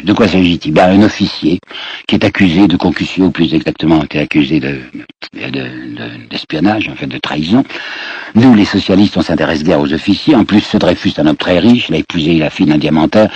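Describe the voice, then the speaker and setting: Deep, husky male lecturer, storytelling, direct to listeners, dry muffled old radio sound. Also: a little fast, darkish tone, no echo. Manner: storytelling, addresses listeners directly, repeats words as he searches. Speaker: history lecturer. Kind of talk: spoken history lecture. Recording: dull lo-fi old radio recording.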